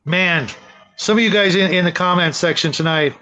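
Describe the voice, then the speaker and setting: A man talking casually in a panel discussion, halting and often repeating his words as he thinks aloud. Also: sits high, sharp tone. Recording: dull lo-fi audio.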